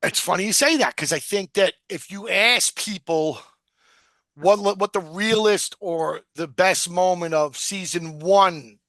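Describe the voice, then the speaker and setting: Guy hosting a rewatch podcast, bright voice, dry close sound, swears a lot and rambles. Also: high voice, unhurried, no echo. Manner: profane, rambling, full of fillers. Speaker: podcast host. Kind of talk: casual rewatch podcast chat.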